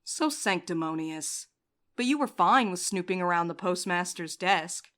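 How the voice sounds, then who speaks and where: A woman voicing a composed, wry courier in an audio drama, calmly taking charge and teasing the others. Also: fairly low pitch, a little slow. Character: dry, scheming woman courier, coolly in charge. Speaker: night courier Val.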